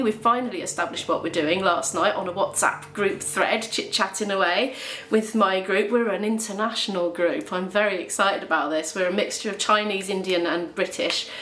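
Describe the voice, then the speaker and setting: A woman's voice: medium pitch, fairly bright tone. A young woman from Wales chatting casually to camera at home in a rambling, friendly way, laughing often as she talks. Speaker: vlogger. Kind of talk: casual vlog chat to camera. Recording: roomy room with faint background hiss.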